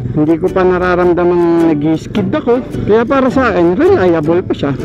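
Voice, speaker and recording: Amid noticeable background noise, a man with a high pitch talks at a moderate pace, his intonation lively and his loudness very even. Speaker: motovlogger. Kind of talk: review vlog.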